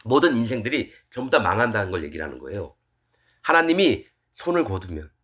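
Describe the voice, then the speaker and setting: A man's voice: lowish voice, sing-song, fast talker, a bit bright, husky. A male pastor giving a sermon in a colloquial, conversational manner, reading scripture aloud and explaining it.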